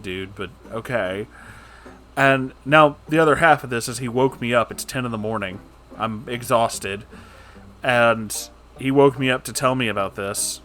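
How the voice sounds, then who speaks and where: A man's voice: mid-range voice, pushed and bright. A man hosting in a casual, rambling, informal style, chatting to viewers with joking asides and some swearing. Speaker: host reading and reacting to stories.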